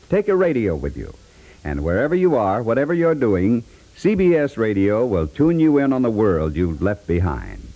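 An American man reading a scripted 1950s network radio promo as an announcer, with polished, measured delivery. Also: mid-range voice, warm tone, poor audio.

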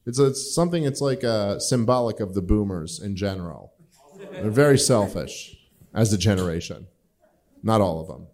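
A man's voice: lowish voice, animated, moderate pace, a little mellow. A man around forty, a podcast host answering audience questions in a rambling, profane way with lots of filler words. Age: 40s. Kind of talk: casual live Q&A talk.

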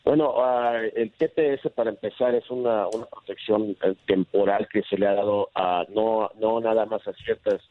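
A male immigration lawyer answering interview questions, halting with many fillers and restarts. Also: on the low side, fairly even intonation. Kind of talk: casual radio interview answers. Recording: tinny phone line.

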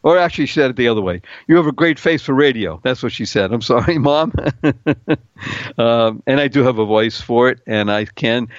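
A man's voice: medium pitch, expressive, fairly quick, dry recording. Man, middle-aged, radio host, upbeat, playful, spells words out, muffled dry broadcast. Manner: playful, spells out words, sings short bits. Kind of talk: upbeat solo radio talk.

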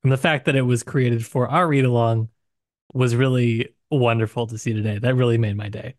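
A man's steady, darkish, medium-pitched voice moves a little fast as he co-hosts a casual book podcast, qualifying his thoughts along the way. It's a dry, studio-quality recording.

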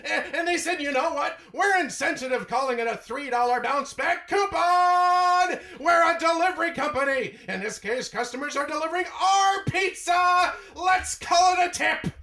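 A man playing an over-excited, bombastic corporate chief executive with a shouty, sing-song, overdramatic delivery. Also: extremely high pitch, normal speed, hardly any pauses, full character voice. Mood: bombastic excitement. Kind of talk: theatrical reenactment of an earnings call. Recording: echoey room with faint noise.

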